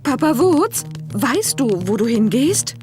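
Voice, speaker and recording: A calm, sensible cartoon pig mother, patient and gently teasing. She speaks in a fairly high voice with a lively lilt, and soft music runs beneath it. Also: takes it slowly, heavily acted. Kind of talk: German cartoon dub.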